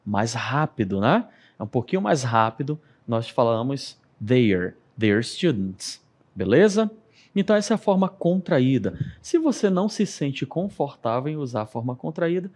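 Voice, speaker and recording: A man's voice: mid-range voice, darkish tone. A man with a Brazilian Portuguese accent teaching an English lesson on air, patiently explaining step by step and often checking in with "ok?". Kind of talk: televised classroom lesson.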